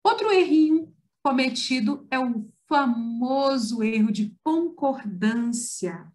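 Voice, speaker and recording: Brazilian lady teacher, kinda high voice, drags out example words slow. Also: animated, a little mellow. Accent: Brazilian Portuguese. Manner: explains patiently, stretching example words slowly. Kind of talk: online writing lesson.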